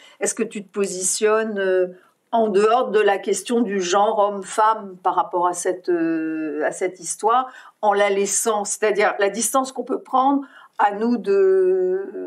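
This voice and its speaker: Speaking at a fairly slow pace, a woman at medium pitch shows ordinary pitch variation and big swings in loudness. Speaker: interviewer, event host. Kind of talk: live talk moderation. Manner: hesitant.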